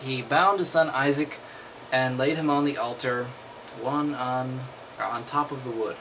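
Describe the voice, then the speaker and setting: A man's voice: mid-range voice, steady tone, measured pace, background noise. A man reading aloud and breaking off into wry, mocking commentary. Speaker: host.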